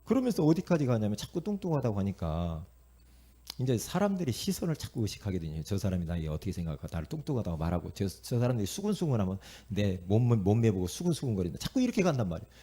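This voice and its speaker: A middle-aged man from Korea preaching a sermon as pastor, telling stories in an animated way, acting out voices and calling out to the congregation. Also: fairly low pitch, fast talker, slightly rough. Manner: animated storytelling, acting out inner voices and quotes; repetitive, calls out to the congregation.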